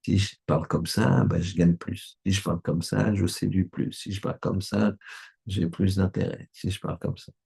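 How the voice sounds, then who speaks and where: A man's voice: deep voice, flat delivery, moderate pace, vocal fry, warm tone, breathy edge. A man, a rabbi, giving a Torah lesson in a conversational way, often checking that his listeners agree.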